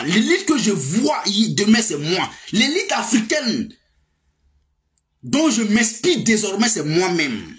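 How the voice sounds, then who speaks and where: A man's voice: a little high, a bit bright. A man, giving a casual political monologue with many fillers and emphatic outbursts. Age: 30s. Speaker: political commentator.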